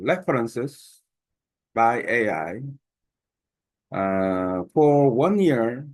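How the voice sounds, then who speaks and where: Slow, halting man with a Korean accent. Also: medium pitch, no echo. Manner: halting, many pauses and fillers. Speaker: language learner sharing his method. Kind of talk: unscripted talk to camera.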